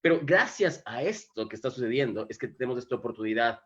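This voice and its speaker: A man's voice: medium pitch, expressive, fast talker, fairly bright tone, lo-fi sound. A man hosting a live talk on faith, telling the story animatedly and often restarting his sentences. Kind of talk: casual spiritual conversation. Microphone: video call microphone.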